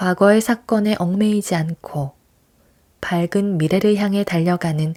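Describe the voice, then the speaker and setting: On a very clean recording with a silent background, a woman speaks at a medium pitch and a very slow pace. Her tone is calm and soothing. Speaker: audiobook reader. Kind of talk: essay reading for sleep. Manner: calm, soothing.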